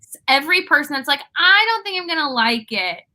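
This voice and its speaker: Bright, high-voiced young American woman. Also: very animated, a little fast. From United States. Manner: gushing, playfully dramatic. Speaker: co-host of a book discussion live stream. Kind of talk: casual chat.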